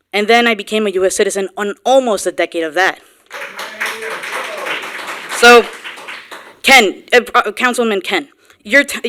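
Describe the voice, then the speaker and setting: Earnest young woman with a smooth voice. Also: fairly high pitch, a bit bright. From Guatemala, raised on Long Island's East End. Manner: earnest, informal, halting with restarts. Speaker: local resident speaking at public comment. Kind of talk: public comment at a town board meeting. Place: town hall meeting room.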